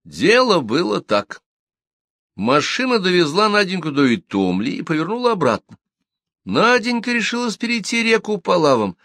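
A man narrating an audiobook with expressive storytelling in a dry, close recording. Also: high voice, normal speed, no echo. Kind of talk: audiobook reading.

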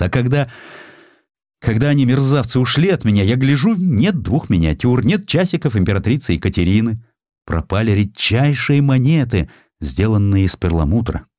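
An elderly provincial collector , played by a male audiobook narrator, speaks with pride and plain old-fashioned words. He is ailing and emotive. The voice is fairly low, with wide swings in pitch. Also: a little mellow, dry recording, studio quality.

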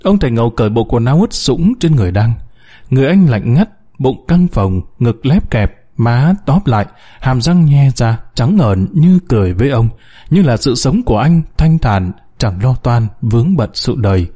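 A man narrating an audiobook story in a dramatic, expressive way. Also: mid-range voice, moderate pace, husky.

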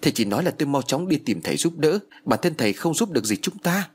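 A man's voice: fairly high pitch, very animated, fast, breathy edge, pitched above the performer's own voice. A man playing a grieving older brother in a spoken horror story, grave and urgent, his voice choked. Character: older man, grief-stricken eldest brother.

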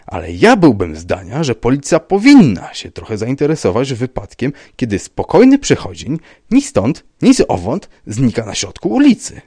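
A man's voice: medium pitch, huge pitch swings, unhurried, hardly any pauses, darkish tone, slightly rough, dry recording, voice pushed up, exaggerated voice. A man voicing a nervous, trembling man who pleads and insists in an agitated, shaky way. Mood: indignant.

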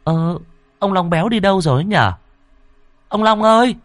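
A skeptical young village woman snaps and scolds in a high, raised voice, performed by a man. She sounds brusque and impatient. The sound is dry and close. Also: moderate pace, no room sound, close to an everyday voice. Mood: calling out.

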